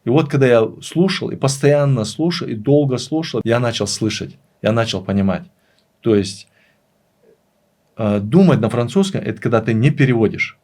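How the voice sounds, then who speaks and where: Earnest man with a mid-pitched voice, explaining. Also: normal speed, darkish tone. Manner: earnest, emphatic repetition of phrases. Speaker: interview guest, language teacher and author. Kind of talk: conversational interview, explaining and reminiscing.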